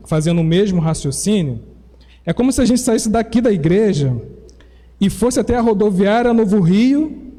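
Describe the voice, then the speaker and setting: A man's voice: high-pitched, dark tone. A man from Brazil, preaching a sermon and explaining things step by step in a teacherly way. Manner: explanatory, teacherly, with self-corrections. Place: church. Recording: long reverb of a church hall.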